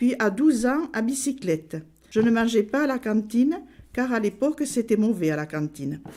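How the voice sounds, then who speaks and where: The voice has a dark, mellow tone and moves at a moderate pace. Its pitch swings very widely. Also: woman, fairly high pitch for a woman. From southwest France, Gers (Auch). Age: 70s. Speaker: elderly resident sharing memories. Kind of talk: reading aloud.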